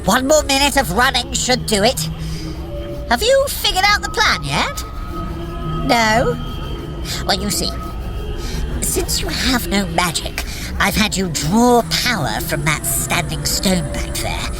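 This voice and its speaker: In an audio drama, a woman voices a smug, boastful trickster sorcerer coaching a runner, theatrical and wry as she taunts mortals. Her voice is a little high with big pitch swings, slow, with long pauses. Loud music plays under her.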